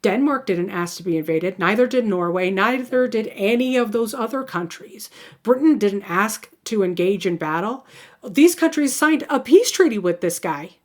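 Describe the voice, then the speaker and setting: A woman's voice: mid-range voice, lively intonation, moderate pace. A woman teaching a recorded history lecture in a conversational way, with many fillers and restarts, repeating key points for her students. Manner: plays out the isolationist view in first person.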